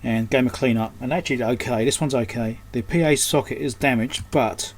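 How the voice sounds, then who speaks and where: Muttering short, unscripted fragments, a technician and host talks through a repair at his indoor electronics workbench. His mid-range voice moves a little fast.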